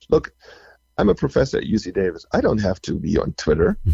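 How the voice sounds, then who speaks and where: A man with a German accent has a medium pitch and a dark, mellow tone. The sound is dry and close with no echo. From Germany. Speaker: animal science professor. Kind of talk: radio interview. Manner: many fillers and repetitions.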